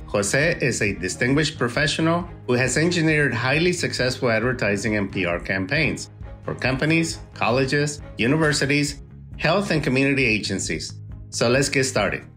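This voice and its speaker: A man's voice: medium pitch, big pitch swings, normal speed, pushed and bright, faint music behind. Formal male talk show host. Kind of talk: scripted show introduction and interview questions.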